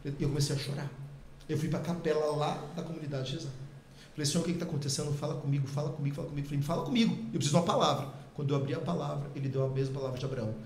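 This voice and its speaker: A middle-aged man, a podcast guest, telling a personal testimony in a lively way and acting out the dialogue. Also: fairly high pitch, very fast, slight background noise. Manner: lively, acts out quoted dialogue. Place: podcast studio. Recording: echoey room.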